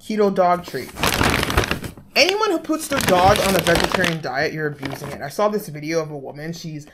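Heavy background noise surrounds this animated, fairly quick, lowish-voiced Canadian woman in her thirties. She's vlogging a casual grocery haul in a small living room, camera held at arm's length, delivering her strong opinions emphatically.

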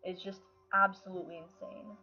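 A woman's voice: fairly low pitch, level tone, moderate pace, sharp tone, soft background music. A woman hosting her own channel, talking casually while she plays a game, her voice worn by sickness and often frustrated. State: sick, voice affected. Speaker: gaming channel host. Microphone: built-in mic, no headset. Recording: dull lo-fi built-in mic.

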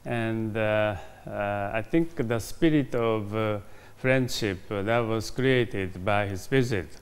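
A man's voice: lowish voice, clear, resonant tone. A man, a diplomat giving a formal interview, with many hesitations and fillers. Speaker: ambassador interviewed. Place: formal reception room, indoors. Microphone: lapel mic.

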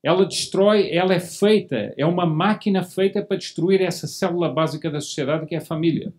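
A man's voice: high-pitched, fairly quick, a little mellow. A middle-aged man giving a formal political speech from a podium in a hall, asking rhetorical questions and repeating words for emphasis. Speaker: lecturer at a monarchist meeting.

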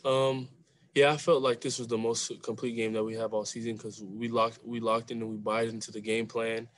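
A young man, a college basketball player, answering questions at a postgame press conference over a video call, speaking softly and often repeating words as he starts a phrase. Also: medium pitch, level tone, normal speed. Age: young adult. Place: small room with a sponsor backdrop. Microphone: video call webcam.

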